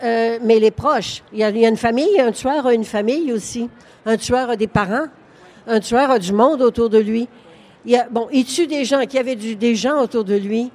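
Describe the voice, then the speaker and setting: A woman's voice: a little high, fairly quick. An older woman with a Québécois accent, a novelist talking frankly at a live book fair interview, laughing often. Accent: Québécois French. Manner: frank, laughing, animated storytelling. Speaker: novelist guest. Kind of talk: conversational interview on stage.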